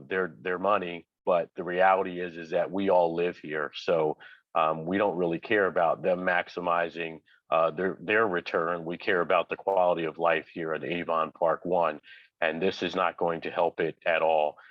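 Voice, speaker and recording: Man, very low voice, calling in over video chat; dull, muffled call audio, measured delivery with frequent pauses. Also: level tone, no echo. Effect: heard over a video call. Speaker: resident giving public comment. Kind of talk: public comment at a community meeting.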